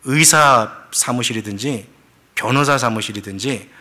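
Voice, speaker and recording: A pastor preaches a sermon, telling the story through questions to the congregation and mixing English words into his Korean. His mid-range voice is unhurried with a sharp tone.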